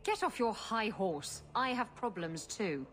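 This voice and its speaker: A roguish woman adventurer in a fantasy game. She is casual and self-interested, coaxing and flippant in a middle-pitched voice. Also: expressive, a little slow, a bit bright. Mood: indignant. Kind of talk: game dialogue acting.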